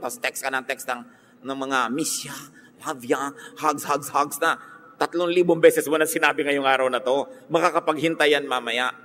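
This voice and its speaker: A man's voice: medium pitch, big-room sound. A man with a Filipino accent preaching a sermon as pastor, teasing, mixing in English phrases. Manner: mixes English into talk, teasing, animated mock voices. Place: church.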